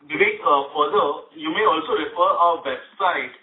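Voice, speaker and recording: A man's voice: on the high side, normal speed. A man, speaking hesitantly as a company representative on a call. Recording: echoey, distant, narrow phone line.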